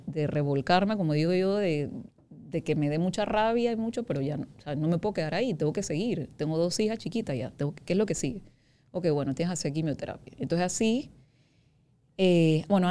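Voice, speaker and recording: Low-voiced woman telling her story frankly. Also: warm tone. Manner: frank, talks in long loops with many "o sea" asides. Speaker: interview guest. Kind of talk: candid conversational interview.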